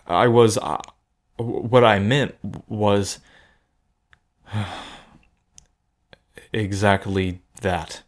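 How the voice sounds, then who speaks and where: An actor voices a smitten male card player in an audio drama. His voice sits fairly low, and he comes across as sincere, protective and a little bashful. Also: drawn-out words, long pauses. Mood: flustered, tender. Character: earnest, awkward young male gambler, protective and smitten.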